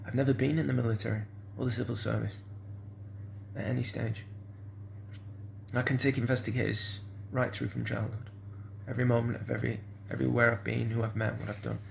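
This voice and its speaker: Gravelly man rambling to camera. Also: mid-range voice, flat delivery, fairly quick, slight background noise. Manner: hesitant, repeats "kind of sort of", restarts often.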